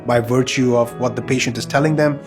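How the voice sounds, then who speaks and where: Deliberate man explaining over guitar music. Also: mid-range voice, steady tone. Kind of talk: documentary interview testimony.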